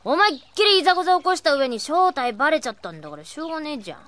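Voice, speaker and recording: A woman's voice: high-pitched, very animated, very fast. An actress playing a brash, protective young female warrior with coarse, tomboyish speech in an anime radio drama. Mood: gruff, earnest. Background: loud music.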